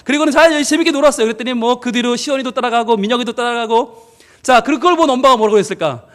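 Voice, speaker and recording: A man's voice: very high-pitched, fast talker. A middle-aged male pastor giving a family-service sermon, telling stories and acting out quoted family arguments while asking the congregation questions.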